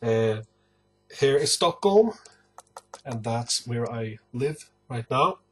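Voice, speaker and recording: A man from northern Sweden with a Swedish accent, talking casually to camera about his record collection in an unhurried, hesitant way full of pauses. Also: mid-range voice, lively intonation, fairly bright tone, slight background noise.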